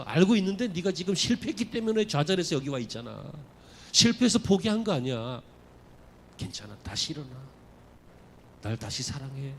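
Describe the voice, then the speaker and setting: A male pastor voicing Jesus speaking softly and tenderly to a disciple within his sermon. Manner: soft, low and tender. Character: Jesus, gentle forgiving man speaking to a disciple.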